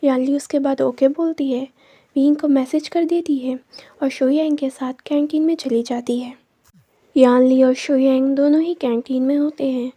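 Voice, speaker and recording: A woman narrating her own fanfiction as a story, in a calm, steady telling. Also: sits high, normal speed.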